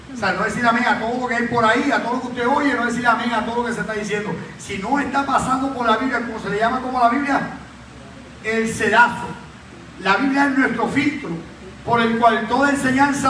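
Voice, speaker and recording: A man, a pastor leading a Bible study in an animated way, acting out the voices of people he quotes. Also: very high-pitched, a little hiss or hum. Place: church. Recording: echoey church hall, mic at a distance.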